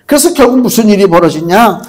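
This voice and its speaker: A male pastor preaching a conversational sermon in a church, asking the congregation rhetorical questions and reading scripture slowly. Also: high voice, expressive, poor audio. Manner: acts out quoted voices, reads scripture slowly. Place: church sanctuary.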